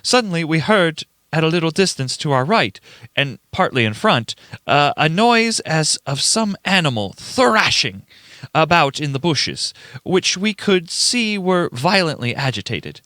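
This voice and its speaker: Radio play witness: earnest, rattled young man played by a male reader, formal storyteller, very lively intonation, dry sound. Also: fairly high pitch, a little slow, no echo, exaggerated voice. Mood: grave, measured. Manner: formal old-fashioned storytelling, stumbling over words. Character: young man writer testifying, earnest and unnerved. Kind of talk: dramatic radio play reading.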